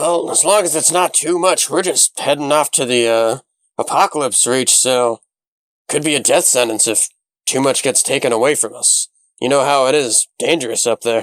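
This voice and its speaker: A man's put-on character voice, raspy and fairly high-pitched, at a moderate pace, with a dry, close sound and no echo. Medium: actual play. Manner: laid-back, casual.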